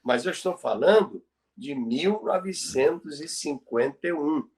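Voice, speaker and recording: A man's voice: a little high, animated, a little slow, a little mellow. A man with a Brazilian accent co-hosting a conversational podcast, explaining history emphatically and repeating phrases for emphasis. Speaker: podcast co-host. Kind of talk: conversational radio history commentary.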